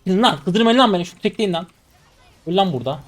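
A man in his twenties, a live streamer giving excitable, mocking gameplay commentary. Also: high-pitched, brisk. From Turkey. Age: 20s. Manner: excitable, mocking and trash-talking.

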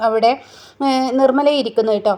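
Female storyteller with a somewhat high voice, chatty, informal serial recap. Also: fairly even intonation, fairly quick, dark tone. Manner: chatty, ends sentences with tag questions.

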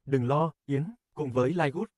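A man voicing a reassuring, persuasive businessman in scripted animated advert dialogue. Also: mid-range voice, moderate pace, close to an everyday voice. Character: reassuring businessman pitching affiliate scheme in cartoon ad.

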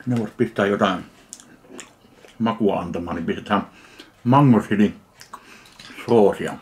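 A man from Finland tasting and reviewing a ready meal in slow, dry, deadpan remarks. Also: fairly low pitch. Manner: slow, dry, deadpan commentary between bites. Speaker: food reviewer. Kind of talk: casual food tasting review.

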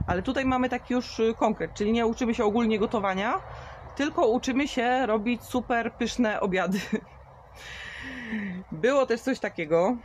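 A woman's voice: on the high side, normal speed, slight background noise. A woman in her thirties talking on a live stream, answering viewer questions with a chatty, explaining manner and many fillers. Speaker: marketing trainer for beauty salons. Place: outdoors in a garden.

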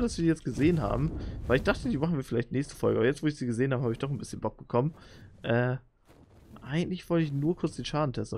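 A young man giving excitable, slangy commentary while playing a video game as a channel host. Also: mid-range voice, a little hiss or hum. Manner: excitable, slangy, frequent exclamations. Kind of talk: let's play commentary.

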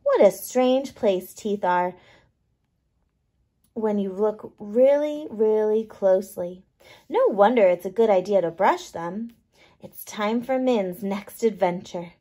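A woman kindergarten teacher reading a picture book aloud, playful and expressive, leaning on key words. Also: mid-range voice, slow pace.

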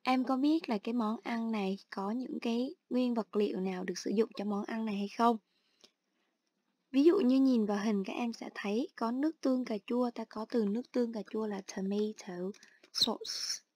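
A woman teacher calmly explaining an online English exercise step by step. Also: a little high, normal speed, dry recording. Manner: steady instructional, explains each step. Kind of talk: online lesson narration.

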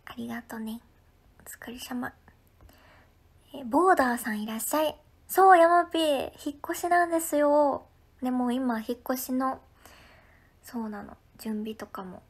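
Here a high-voiced woman from Ehime, Japan, chats casually on a livestream at a moderate pace, pausing often as she reads viewer comments aloud. Her Ehime Japanese accent carries a local lilt, and her friendly tone often softens into breathy half-whispers.

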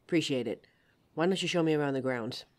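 A woman playing a caring, protective bodyguard in an intimate roleplay audio drama, with a gentle, teasing manner. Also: low-pitched, fast, natural voice. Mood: businesslike. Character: caring, flirtatious female bodyguard, protective and loyal.

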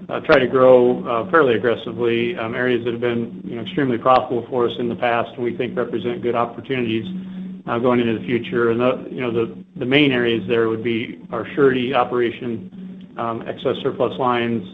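A man, an insurance executive, giving a steady answer with fillers on an earnings conference call. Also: mid-range voice, moderate pace. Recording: tinny phone line with faint hiss.

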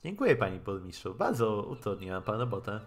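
A man reading visual novel dialogue aloud in a halting way and adding his own comments as a streamer. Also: lowish voice, very animated. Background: game music.

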